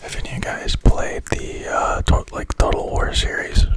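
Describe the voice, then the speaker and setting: A man whispering casual, rambling ASMR chat close to the microphone, breathy and hesitant, often repeating words and phrases for tingles. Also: normal speed. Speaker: ASMR video creator.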